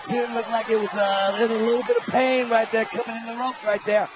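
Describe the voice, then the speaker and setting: A man's voice: very high-pitched, little pitch movement, a little fast, over music. A man doing informal colour commentary on live wrestling, with punchy, appreciative interjections. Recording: clear arena noise behind.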